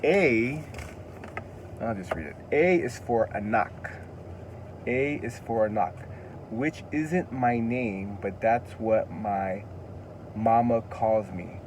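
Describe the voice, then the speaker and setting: Man, Californian accent, slow measured pace, earnest teaching tone, reads aloud and repeats words, faint hum in the background. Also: fairly low pitch, a little mellow. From United States. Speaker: language teacher. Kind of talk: casual lesson, reading a children's alphabet book aloud.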